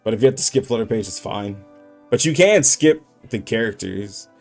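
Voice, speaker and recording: Animated slangy gaming streamer man. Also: lowish voice, moderate pace, soft background music. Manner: animated, slangy, laughing often, many "like" fillers. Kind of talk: casual livestream chat.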